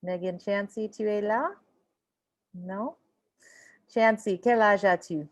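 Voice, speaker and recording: Slow-speaking woman French teacher. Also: medium pitch. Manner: switches between French and English, encouraging. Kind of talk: online class teaching. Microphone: video call.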